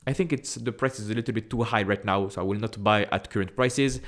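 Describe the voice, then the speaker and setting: A man from France with a strong French accent, talking casually and directly to camera as an investing YouTuber, repeating phrases and often pausing on "uh". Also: fairly low pitch, a bit bright. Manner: chatty and direct, repeats phrases, frequent "uh" fillers.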